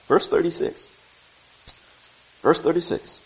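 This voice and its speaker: A man preaching a sermon, reading scripture and teaching it in a conversational way, with frequent asides and restarts. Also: slow pace. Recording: dull lo-fi recording.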